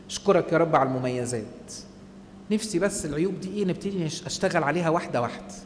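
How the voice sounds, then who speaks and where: A man with an Egyptian Arabic accent giving an animated church talk to a group, acting out the voices people use on themselves. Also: sits high, in a large hall, a little hiss or hum. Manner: animated, acts out inner voices. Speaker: church speaker.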